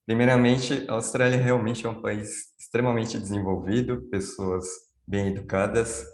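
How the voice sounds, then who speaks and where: A man's voice: on the low side, roomy sound. A man on a video call explaining things at length, answering his own questions as he goes. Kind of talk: live online Q&A chat.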